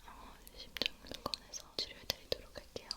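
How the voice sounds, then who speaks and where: A woman whispering in a gentle, unhurried, reassuring way, playing a caring sci-fi robot repairwoman in an ASMR roleplay.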